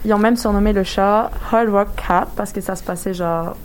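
A young woman with a Québécois accent hosts a light news segment in casual radio chat, chatty and quick to laugh, with hesitant fillers. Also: medium pitch, fairly even intonation, slight background noise, poor audio.

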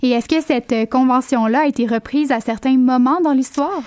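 A woman's voice: high voice, fairly quick, darkish tone, no room sound. A woman hosting a radio magazine, asking curious, prompting questions. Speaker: radio show host.

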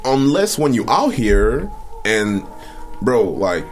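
A man's voice: medium pitch, very animated, takes it slowly, soft background music. A man from Cameroon hosting a casual podcast chat, talking loosely with many fillers and restarts. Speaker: podcast host.

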